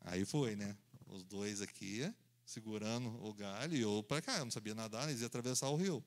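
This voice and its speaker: A man, preaching in an animated storytelling style, acting out voices and sounds and laughing along as he goes. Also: on the low side, a little fast. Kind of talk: storytelling sermon.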